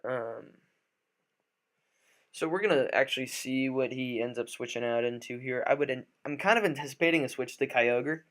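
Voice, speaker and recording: A man with a slightly raspy, just-woken-up voice, talking through a game live with many fillers and restarts. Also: mid-range voice, moderate pace, a bit bright. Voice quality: a little raspy. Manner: thinks aloud with frequent fillers and restarts. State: just woke up. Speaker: gaming commentator. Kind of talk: live gameplay commentary.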